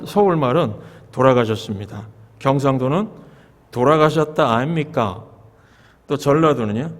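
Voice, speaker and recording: A man preaching a Sunday sermon as pastor, measured and asking the congregation rhetorical questions. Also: medium pitch. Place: church sanctuary. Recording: long reverb of a church sanctuary.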